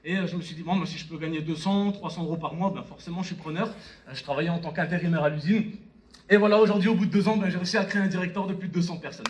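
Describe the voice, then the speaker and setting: A young man in his twenties delivers a motivational speech from a stage, picked up from some distance. His voice sits high for a man, and he talks straight to his listeners with personal anecdotes and frequent short check-ins. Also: very fast, lo-fi sound, background noise. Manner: direct audience address with repeated check-in tags. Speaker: motivational speaker at a network marketing conference. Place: on stage in a conference hall. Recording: live stage talk, distant from mic.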